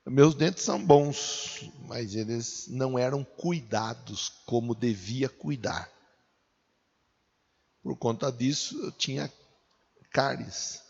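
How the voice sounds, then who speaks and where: Slow, gravelly Brazilian preacher in his forties. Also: medium pitch, darkish tone. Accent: Brazilian Portuguese. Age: 40s. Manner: conversational preaching with rhetorical questions. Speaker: pastor. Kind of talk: sermon. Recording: dull, echoey hall.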